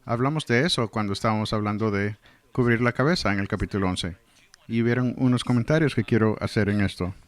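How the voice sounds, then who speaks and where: A man's voice: lowish voice, quick pace. A man delivering a verse-by-verse sermon in translation, earnestly reading scripture and explaining it. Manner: earnest, explanatory, reads scripture then comments. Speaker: Spanish translator of a pastor's sermon.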